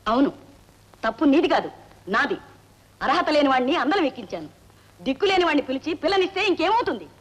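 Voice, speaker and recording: A woman's voice: high voice, sing-song, fast, poor audio. An actress playing a stern, domineering middle-aged mother-in-law who speaks with scorn and command. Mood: scornful.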